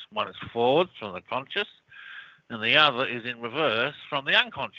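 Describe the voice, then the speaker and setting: His pace stays moderate. This man talks in an Australian accent. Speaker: researcher and therapist. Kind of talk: interview. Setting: phone call.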